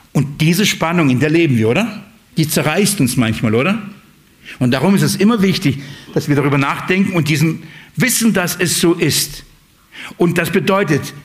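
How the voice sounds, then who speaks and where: A man preaching a sermon in a conversational way, often asking his listeners questions and repeating phrases. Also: on the high side. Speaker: pastor.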